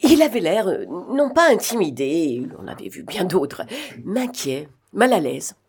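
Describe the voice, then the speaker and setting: A woman reading a novel aloud as an audiobook narrator, steady, with occasional small fillers. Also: fairly low pitch, measured pace. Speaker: audiobook reader.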